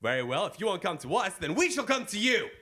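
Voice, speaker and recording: Man playing a bold, bright-voiced gentleman detective. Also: high voice, big pitch swings, fast talker, heavily acted. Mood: bold, challenging. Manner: commanding, formal, theatrical. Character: bold, confident gentleman detective investigating mysteries. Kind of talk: old-time radio mystery acting.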